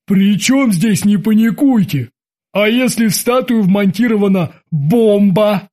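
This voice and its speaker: A man voicing a huge, cowardly male sailor who talks loudly in alarm. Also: high-pitched, a little slow. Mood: panicky. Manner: loud, alarmed, pleading.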